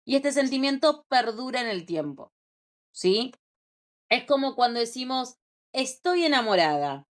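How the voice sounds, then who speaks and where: A young woman with an Argentine Spanish accent gives an informal class lecture, conversational and often checking in with quick rhetorical questions. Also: high voice. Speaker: teacher.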